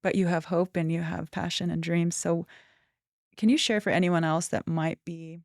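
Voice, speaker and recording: A woman hosting a podcast, asking gentle, rambling questions. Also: lowish voice, fairly even intonation, normal speed, no room sound, clean studio sound. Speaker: podcast host. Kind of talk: interview questions.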